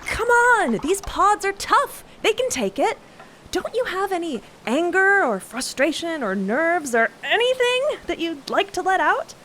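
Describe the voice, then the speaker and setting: A woman's voice: very high voice, big pitch swings, a little slow, background noise, voice pushed up, exaggerated voice. A woman playing an exasperated, intense female space explorer in an audio drama, blunt and emphatic. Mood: fired up.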